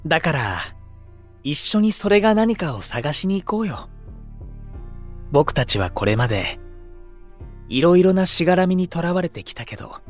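A man playing an unruffled, poetic young younger brother in a voice drama, elegant and gently persuasive. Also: on the high side. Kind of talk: Japanese voice drama acting.

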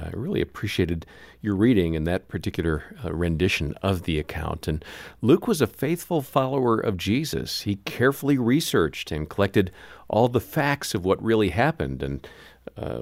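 Low, creaky-voiced man, lively intonation. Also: normal speed, no echo. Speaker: radio show co-host. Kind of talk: reflective scripted broadcast talk with the host.

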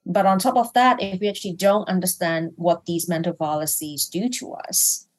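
A middle-aged woman from Hong Kong speaks as a guest in a business interview, her voice sitting a little low. She talks in a thoughtful, searching way, with fillers and restarts as she builds each point. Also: moderate pace. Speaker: executive coach, guest.

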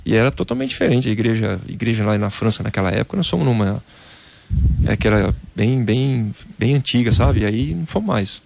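A man from Brazil, a former footballer, telling a personal faith story in a casual interview, animated and peppered with "cara". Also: fairly low pitch, a little fast, gravelly, slight background noise.

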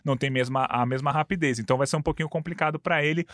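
A man in his thirties with a Brazilian Portuguese accent, talking sports in a casual chat, quick and full of stats. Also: on the high side, a bit bright, dry recording, clean studio sound. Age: 30s. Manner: quick, detailed stats-heavy talk. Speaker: sports commentator.

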